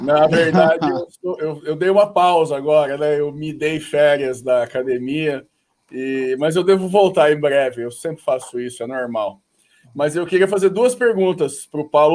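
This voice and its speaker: With a plain, everyday voice, this man talks at a moderate pace and a fairly high pitch, his pitch varying in an ordinary way. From Brazil, Londrina. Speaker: bodybuilding panelist. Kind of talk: live-stream panel chat.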